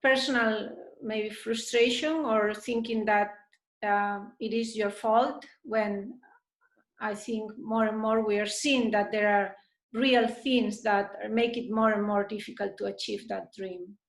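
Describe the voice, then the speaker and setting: Woman, middle-aged, slow careful thinking out loud, restarts a lot, echoey sound. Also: mid-range voice, fairly even intonation. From Spain. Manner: thoughtful, hesitant, many restarts. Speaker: dharma talk speaker. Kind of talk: group discussion answer. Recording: roomy echo.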